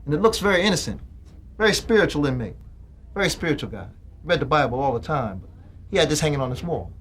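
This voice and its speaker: A man who is a prison inmate, explaining things earnestly. His voice sits a little high. Faint background noise is audible. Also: sing-song, quick pace, a bit bright.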